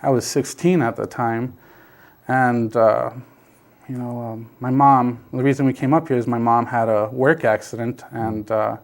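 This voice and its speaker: A man's voice: mid-range voice, fairly even intonation, measured pace. A middle-aged man from South Texas whose first language is Basque, telling his family story as an interview guest, with many fillers and restarts. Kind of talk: casual storytelling.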